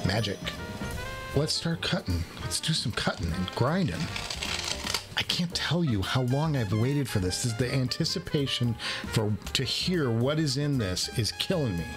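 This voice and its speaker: A man hosts a casual unboxing vlog in a mid-pitched voice. He talks excitably and jokes along, often repeating a phrase for emphasis. Prominent guitar music plays behind him. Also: normal speed. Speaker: host of a headphone review show.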